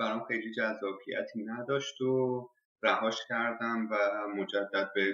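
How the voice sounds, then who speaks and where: This man has an unremarkable speaking voice at a medium pitch. His intonation stays fairly even, and his pace is moderate. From Iran, Arak. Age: 30s. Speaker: founder of an online education startup. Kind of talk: interview.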